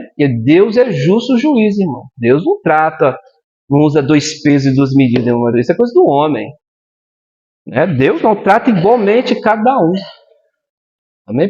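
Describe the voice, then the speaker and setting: Brief: male pastor, animated sermon delivery, high and lively pitch, muffled lo-fi church recording. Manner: animated, addresses the congregation directly with frequent "amém?".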